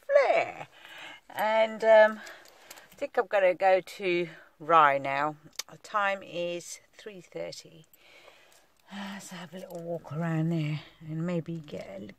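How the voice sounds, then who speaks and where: A middle-aged woman vlogging casually from her phone outdoors, chatty, laughing often and dropping into breathy asides. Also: on the low side. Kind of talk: casual vlog narration. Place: outdoors on windy coast and town streets. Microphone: phone at arm's length.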